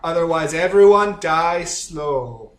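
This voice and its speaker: A man voicing a menacing male weasel raider who talks in slow, clipped broken English. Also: a little high, reverberant, slight background noise. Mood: threatening.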